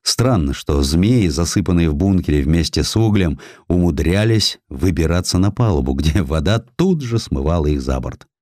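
A man narrating a historical audiobook with dramatic, deliberate, theatrical phrasing. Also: deep voice, expressive, a little mellow, no echo, clean studio sound.

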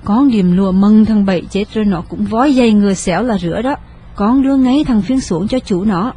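A woman's voice: mid-range voice, a little fast, dark tone, husky, natural voice. A woman voicing a grieving elderly noble mother in an audio story, speaking in a sighing, lamenting way. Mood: sorrowful. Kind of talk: audio drama reading.

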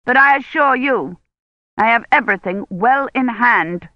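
A woman's voice: a little high, lively intonation, measured pace, no echo, pitched above the performer's own voice. A stiff, officious male project director, voiced by a woman reading a novel, curt and condescending. The recording is dry and close, with a slightly dull, lo-fi sound.

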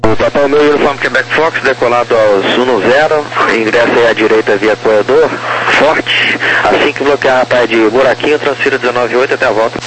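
A man's voice: medium pitch, brisk, few pauses, a bit bright. A man working as an air traffic controller, giving clipped procedural instructions over the radio. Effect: radio transmission. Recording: faintly noisy, humming aviation radio.

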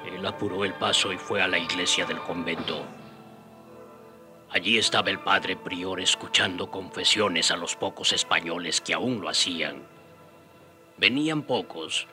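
A man's voice: fairly low pitch, sharp tone. An actor playing a fiery, indignant indigenous rebel in a radio drama, challenging his friend in colloquial speech. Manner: challenging, rhetorical questioning, colloquial.

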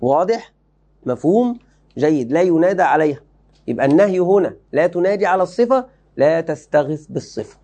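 A man's voice: on the high side, animated, brisk, dark tone. A man giving a religious lesson, explaining a book to students emphatically, repeating key phrases and checking they follow. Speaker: Islamic teacher.

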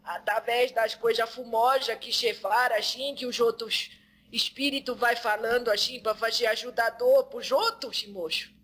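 A woman medium voicing the male spirit Exu, who talks slowly with a folksy drawl and laughs between phrases. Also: fairly high pitch, steady tone, fairly bright tone. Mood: earthy, chuckling. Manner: drawling, folksy speech, calls listener "filho". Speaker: medium channeling an entity.

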